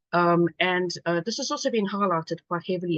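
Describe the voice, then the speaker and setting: A woman talks at a fairly quick pace with a fairly low pitch. The sound is dry and close, without echo. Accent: South African. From South Africa. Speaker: patient advocate, AMR survivor. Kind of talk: conference presentation.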